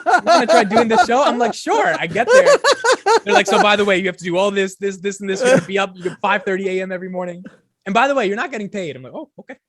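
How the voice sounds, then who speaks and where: A man in his twenties, a startup founder, chatting casually in an excitable way. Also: high voice. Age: 20s. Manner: fast, excitable, says bro. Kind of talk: casual chat.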